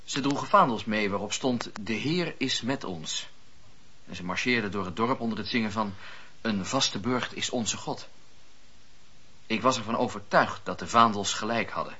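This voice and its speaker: Zealous male wandering preacher, lowish forceful voice, declamatory, dramatic pauses, radio play, dull lo-fi sound. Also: husky. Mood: earnest, assured. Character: fervent wandering preacher, earnest 17th-century religious dissenter.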